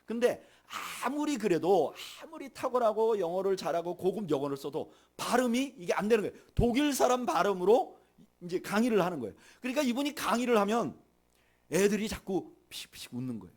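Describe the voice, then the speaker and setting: A middle-aged pastor preaches a sermon in a high, sing-song voice at a brisk pace, growing loud on key points and dropping soft elsewhere. He also leads the congregation in reading aloud.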